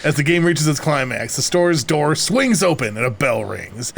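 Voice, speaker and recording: A man's voice: fairly high pitch, sing-song, normal speed, gravelly. A man co-hosting a podcast, chatting casually and narrating a script to the group. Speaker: podcast co-host.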